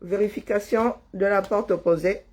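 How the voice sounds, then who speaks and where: A woman's voice: medium pitch, steady tone, moderate pace, noisy background. A woman, chatting casually on a live stream, greeting viewers by name and joking.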